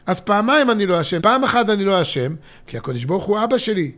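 A middle-aged father teaches religious texts on a podcast in a high, light voice. He presses points with emphasis, then sinks into quiet, intimate tones. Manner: expressive, swinging from emphatic to hushed and intimate.

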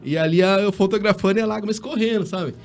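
A man's voice: high voice, quick pace, music in the background. A man, a wedding photographer, telling a story animatedly in casual chat.

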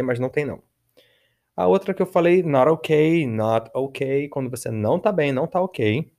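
A man with a Brazilian Portuguese accent teaching English vocabulary in a casual podcast lesson. He talks in relaxed slang and slows right down to model English words for listeners to repeat. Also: mid-range voice.

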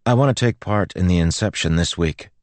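A man's voice: low-pitched, a little fast, darkish tone, no echo, pitched above the performer's own voice, lightly acted. A man voicing a mild, easily embarrassed teenage boy in an audiobook, earnest and subdued in manner.

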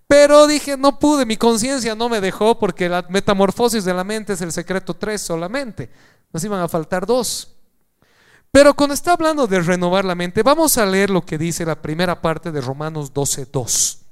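Male preacher, high clear voice, animated sermon delivery with jokes and loud-to-soft swings. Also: moderate pace.

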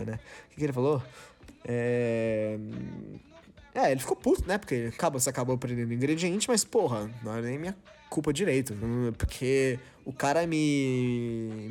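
A man in his twenties, from Brazil, hosting a podcast and telling a story in a slangy, animated way, acting out dialogue with lots of restarts. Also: medium pitch. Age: 20s. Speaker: podcast host. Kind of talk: casual storytelling monologue.

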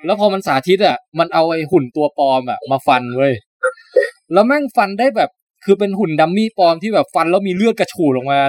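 A podcast host chatting casually, animated storytelling with crude slang. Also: male voice, fairly high pitch, no room sound, clean studio sound. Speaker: podcast host reviewing shows. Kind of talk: casual chat.

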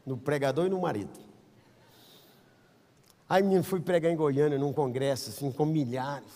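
A Brazilian man preaching a sermon as pastor, telling stories with acted-out quotes, swinging between loud calls and hushed asides. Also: fairly high pitch, moderate pace, big-room sound. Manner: animated storyteller, acts out quotes, swings from shouting to hushed. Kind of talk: sermon with storytelling. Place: church.

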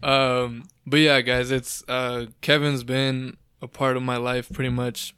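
A man's voice: medium pitch, flat delivery, measured pace, bright, forceful tone, clean tone, no echo, studio quality. Upbeat chatty young man hosting. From Southern California. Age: 20s. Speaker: podcast host. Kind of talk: casual podcast conversation.

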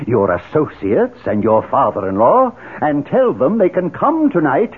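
A high-pitched, imperious cult leader. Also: male voice, very animated, measured pace, slightly rough, full character voice. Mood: indignant. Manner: haughty, declamatory, formal. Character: proud, theatrical male leader of a fire-worshipping cult. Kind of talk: 1970s radio drama acting. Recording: tinny, narrow-band old radio recording, faint hiss.

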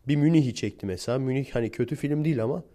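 Rapid-fire and blunt, a young vlogger from Turkey spins stories for his viewers in slangy, casual talk. His voice is mid-range with a dark tone, and he chuckles between points.

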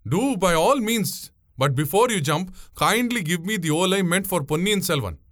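A man's voice: sits high, lively intonation, normal speed, fairly bright tone, voice pushed up. A man voicing a bold boatwoman in a story, unruffled and scornful, with a taunting conversational manner. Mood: cool taunting.

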